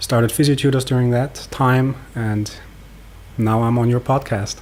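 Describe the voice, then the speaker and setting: A man's medium-pitched voice with a German accent, monotone and flat, at a moderate pace and very even loudness, over noticeable background noise. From Germany. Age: 20s. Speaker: physiotherapy educator. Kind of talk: podcast interview.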